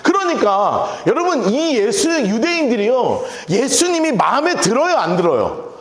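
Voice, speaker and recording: Lively, high-voiced preacher in an echoey church. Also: male voice, moderate pace. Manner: animated, playful, acts out scenes. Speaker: pastor. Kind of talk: sermon.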